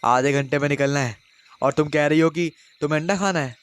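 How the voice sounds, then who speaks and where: A man's voice: on the high side, fairly quick, clean tone, no echo, lightly acted. A man voicing an impatient, short-tempered young husband who scolds in an exasperated way. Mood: scolding.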